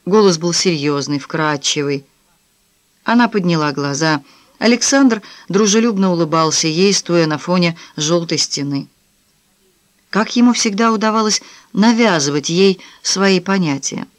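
A woman's voice: fairly low pitch, a little slow, no room sound. Woman reading a novel aloud, dry close sound. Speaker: audiobook narrator. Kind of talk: scripted narration.

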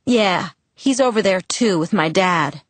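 A woman's voice: mid-range voice, lively intonation, unhurried, no room sound. A woman reading the part of a protective teenage boy who talks bluntly and scolds with worry. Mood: sombre.

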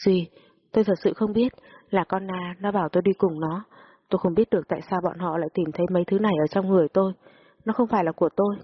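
A woman's voice: steady tone, a little fast, slightly rough, lo-fi sound, lightly acted. A woman voicing a sobbing frightened young woman. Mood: tearful pleading. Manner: pleading, higher and tearful. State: crying. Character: frightened young woman under police questioning.

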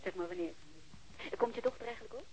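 An actress playing a practical, teasing woman friend in a naturalistic radio drama, talking in a brisk and playful way. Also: a little high, a little mellow, lightly acted, low-quality recording. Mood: brisk, helpful.

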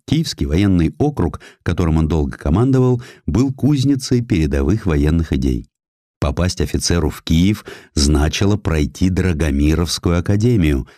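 A man reading a historical essay as an audiobook narrator, measured and declamatory, with deliberate pauses. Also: low-pitched, animated, mellow, no room sound, studio quality.

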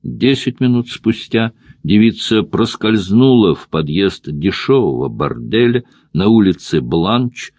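A man reading a thriller audiobook aloud in a steady, measured narration on a close studio mic. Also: lowish voice, no room sound. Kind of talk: scripted narration of a thriller novel.

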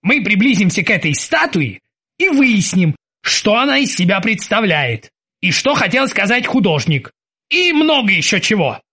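A man's voice: high voice, very animated, normal speed, pushed and bright, husky, voice pushed up, full character voice. A man voicing a bossy, ironic male sea captain who barks orders at his crew.

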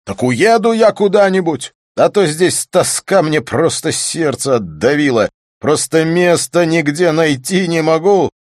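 A man reading aloud and voicing a hot-tempered, jealous young landowner who shouts in raised, fast outbursts. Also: a little high, lively intonation, dry recording, studio quality, voice pushed up. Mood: anguished.

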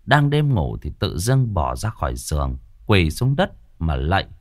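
A man's voice: deep voice, sing-song, measured pace, a little mellow, no echo, clean studio sound. A man narrating a ghost story with a dramatic storytelling delivery.

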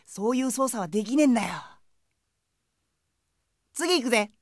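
A brash, friendly teenage boy, with a high voice in a dry, close studio sound. He talks in cheeky, boyish slang, the teasing best buddy of an anime game drama. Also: animated, moderate pace, dry recording. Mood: breezy, cocky. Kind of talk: anime game audio drama, character voice messages.

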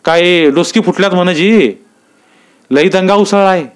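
A man's voice: sits high, a little slow, pitched above the performer's own voice. A man voicing anxious rural villagers with rustic, worried speech.

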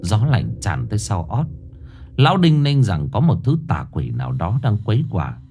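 Expressive male horror storyteller. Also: fairly low pitch, normal speed, a little hiss or hum. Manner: expressive, suspenseful. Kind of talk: dramatic horror story narration.

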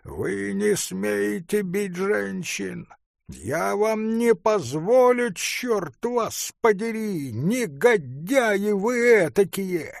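A man reading aloud voices a hot-tempered male artist, shrill and outraged, dragging out his words. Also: lively intonation, very slow, gravelly, dry recording, clean studio sound, heavily acted.

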